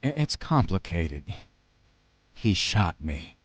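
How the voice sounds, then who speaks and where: A man plays a weary veteran of war in an audio drama. His voice sits very low and moves slowly. He is guarded and understated, often halting mid-thought. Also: very animated, slightly rough, no echo, full character voice. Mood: grim, haunted.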